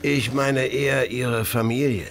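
An actor playing a tactful police detective in a radio play, speaking in a measured, official way. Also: male voice, medium pitch, steady tone, a little hiss or hum, close to an everyday voice. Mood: sober, tactful. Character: police detective, man, sober and hesitantly tactful. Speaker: actor in an audio drama. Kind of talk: German radio play acting.

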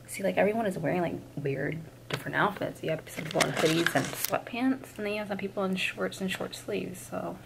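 A young woman with a raspy morning voice, chatting casually to her camera from a hotel room. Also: lowish voice, a little fast, heavy background noise. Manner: chatty, filler-heavy, rambling. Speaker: vlogger. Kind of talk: casual vlog chat.

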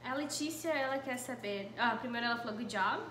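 A young woman with a Brazilian accent reads questions in casual chat. Her voice is bright and somewhat high, and she takes her time. It echoes in the room with faint background noise. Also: brisk, soft background music. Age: young adult. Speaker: interviewer reading viewers' questions. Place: small living room, on a couch.

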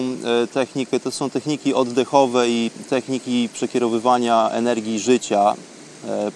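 A man with a mid-range voice delivers an unscripted diary-style monologue as a programme host. He phrases things haltingly and reflectively. Faint ambient noise sits behind the voice. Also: medium pitch, a little mellow.

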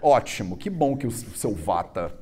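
A man, giving a joking, animated public talk on a stage into a handheld microphone. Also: fairly low pitch, normal speed, some chatter behind, a little hiss or hum. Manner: animated, joking, gestures a lot. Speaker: Ayurveda speaker giving a talk. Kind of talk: lively informal public talk. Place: stage in a large indoor hall.

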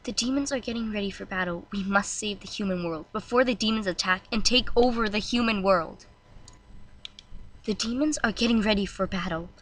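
A woman's voice: medium pitch, fairly quick, a bit bright, close to an everyday voice. A woman doing an urgent young heroine. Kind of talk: voice audition reading.

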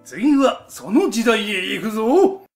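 A man's voice: sits high, very animated, slow, vocal fry, soft background music, exaggerated voice. A man voicing a proud, doting old heavenly emperor who explains things in old-fashioned elder's speech for an educational story. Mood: lordly, explaining. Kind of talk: scripted educational story narration.

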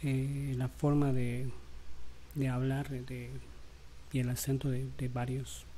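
Guy doing a reaction vlog, mellow dark voice, stops and restarts a lot, faint room hum. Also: medium pitch, level tone. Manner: halting, with frequent tag questions. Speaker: vlogger reacting to rap battle. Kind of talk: casual reaction commentary.

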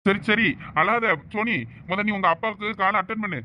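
An actor playing a young senior student who teases the girl and then calmly advises her. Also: high voice, brisk, slight background noise. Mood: reassuring. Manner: teasing, then reassuring and advising. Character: teasing, calm young male senior student. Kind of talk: village comedy skit acting.

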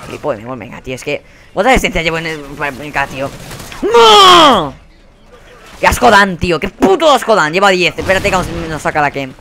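A man's voice: fairly high pitch, big pitch swings, fast, creaky, bright, forceful tone, a little hiss or hum. A young man with a Spain Spanish accent giving heated gameplay commentary, swearing and ranting at other players. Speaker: gaming channel host. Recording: faint game gunfire behind.

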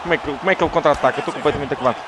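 A man with a European Portuguese accent commentating his own fight game, excitable and lurching from yelling to groaning. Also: fairly high pitch, racing, crowd noise, noisy background. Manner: animated, swings from yelling to groaning. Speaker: gaming YouTuber.

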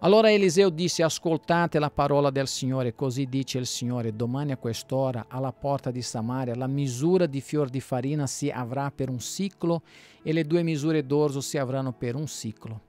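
A man, a pastor, reading the Bible aloud in a plain steady way, now and then stumbling and restarting a word. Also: medium pitch, moderate pace.

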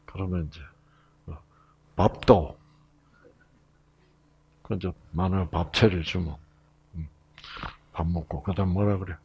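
A man's voice: low-pitched, fairly even intonation, a little slow, long pauses, muffled recording, a little hiss or hum. A middle-aged man with a Gyeongsang Korean accent, giving a Bible lecture in a chatty storytelling way with many fillers and asides. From Gyeongsang province, Korea. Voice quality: gravelly and husky. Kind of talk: relaxed anecdotal Bible lecture.

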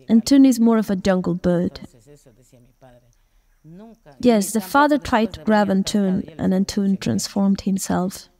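A middle-aged woman calmly telling a traditional legend, seated outdoors by a forest. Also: medium pitch. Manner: calm, measured storytelling. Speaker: storyteller. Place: open-air shelter by forest.

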